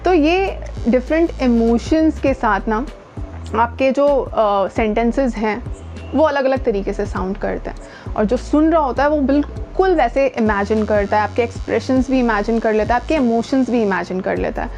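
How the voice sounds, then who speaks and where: This voice coach and presenter, a woman with an Indian accent, sounds a little high and darkish, talking at a moderate pace on a lo-fi recording with faint music behind her. Her to-camera lesson is conversational, and she slips into English while leaning on key words.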